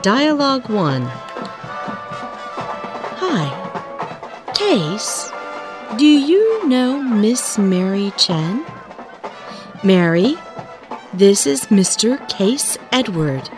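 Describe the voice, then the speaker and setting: A woman reads dialogues for an English course at a very slow, deliberate pace, with a lot of movement in her pitch. The recording is dry and close, with faint music underneath. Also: very animated. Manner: very slow, carefully enunciated reading. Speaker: textbook audio reader. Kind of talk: scripted language-lesson recording.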